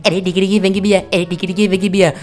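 A man's voice: sits high, flat delivery, rapid-fire, darkish tone, lightly acted. A man voicing a cheeky, pushy little boy who repeats every line twice, in a comic gameplay role-play. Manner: says every line twice, starts with "arre Franky bhaiya".

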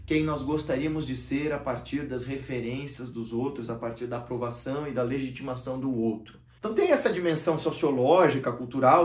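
A man in his thirties from Brazil, hosting his channel with an expressive, gesturing monologue to camera from a room with bookshelves. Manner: expressive, gesturing, shifting volume and pitch often. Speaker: channel host. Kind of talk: animated philosophical monologue to camera. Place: small room with bookshelves, seated in armchair. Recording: roomy echo.

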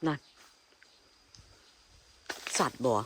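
A man with in his speech, vlogging in hushed, tense tones while walking through a dense rainforest with a companion, using coarse slang. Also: extremely slow, a little hiss or hum. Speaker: ghost-hunting vlogger. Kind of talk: whispered jungle exploration vlog. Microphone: handheld camera.

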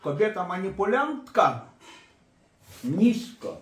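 A man's voice: high-pitched, sing-song, takes it slowly, a little hiss or hum. A man working as a therapist and court expert, giving a lecture-style talk in an emphatic, digressive way. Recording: echoey room.

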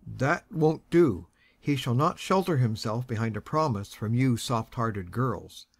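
A woman's voice: a bass voice, lively intonation, unhurried, breathy edge, no room sound, voice pushed down, full character voice. A woman voicing a stern, irascible old grandfather who talks sharply and blusters. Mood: stern, demanding.

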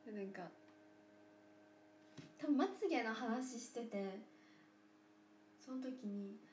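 A woman in her twenties hosting a casual livestream, speaking softly and often dropping to a near whisper, with playful drawn-out thank-yous to viewers. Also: fairly high pitch. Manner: soft-spoken, often drops to a near whisper. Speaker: idol livestream host. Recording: roomy room with faint hum.

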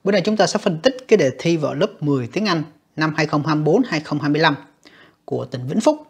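A woman's voice: sits low, animated, a little fast, slightly rough. A woman teaching an exam walkthrough, talking patiently with frequent fillers and repeating words as she explains. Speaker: English teacher.

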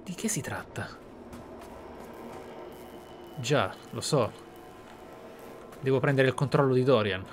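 Male gamer, mid-pitched, narrates in character, pensive and dramatic with murmured asides, noisy game background. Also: takes it slowly, pauses often. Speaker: video game player and narrator. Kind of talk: roleplay let's play commentary, in-character musing and reading aloud. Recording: clear background noise, game ambience. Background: video game ambience.

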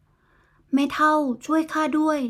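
A woman voicing a worried, proud old village father with a dry, hoarse voice in a bedtime storybook reading. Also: slow pace, fairly bright tone. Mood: pleading.

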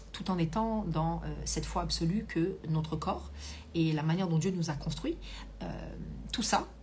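Her low-pitched voice has a darkish tone as the woman coach talks casually on a live stream via a Bluetooth hands-free earpiece. She reads comments aloud, fills her speech with fillers, and slight background noise can be heard.

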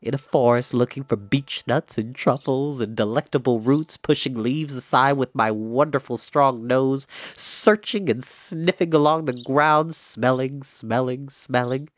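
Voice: mid-range voice, a little slow, few pauses, dry recording, lightly acted. A storyteller voicing a young male pig who is innocent, earnest and anxious, with a pleading, childlike manner. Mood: wistful.

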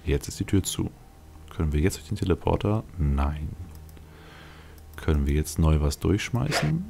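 A man's voice: a bass voice, very animated, moderate pace, vocal fry, background noise. A man giving casual gameplay commentary, musing aloud to himself as he plays. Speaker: let's play host.

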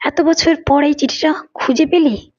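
High-pitched concerned female friend voiced by a narrator. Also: fairly even intonation, a little slow, a little mellow, no room sound, lo-fi sound. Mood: concerned, surprised. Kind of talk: audio story dialogue.

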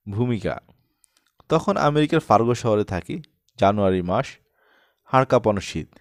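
A man narrates a literary audiobook. His voice sits at an average male pitch. The recording is dry, with very little room sound, and he reads from a script in a storytelling style. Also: darkish tone, no room sound. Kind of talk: scripted literary narration, reading a humorous personal essay.

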